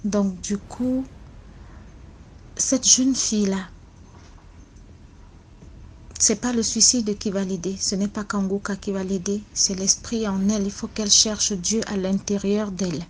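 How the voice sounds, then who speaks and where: Slow, soft-spoken Cameroonian woman. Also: medium pitch, steady tone, slight background noise. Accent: Cameroonian French. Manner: speaks softly and slowly, with many hesitations. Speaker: caller sharing a story. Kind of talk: personal testimony, slow and deliberate.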